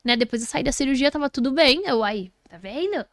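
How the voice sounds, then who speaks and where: A Brazilian woman tells a personal story as a talk-show guest, her voice sitting a little high. She jumps into the voices of the people she quotes and keeps the retelling animated. The sound is close and dry, with no room around it. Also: a little fast, no room sound. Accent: Brazilian Portuguese. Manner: animated, acts out quoted speech. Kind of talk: casual storytelling interview.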